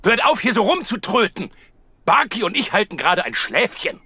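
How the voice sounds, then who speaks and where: A man's voice: high-pitched, very animated, normal speed, sharp tone, breathy edge, heavily acted. A man playing a grumpy, blustering old neighbour in a German cartoon dub. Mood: annoyed. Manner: cranky, blustering. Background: music.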